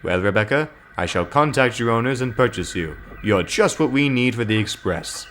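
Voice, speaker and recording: A man voicing a stern, fatherly older railway controller, speaking in a firm, measured, formal way, with music behind. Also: mid-range voice, animated, a bit bright, a little hiss or hum, natural voice. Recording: background music.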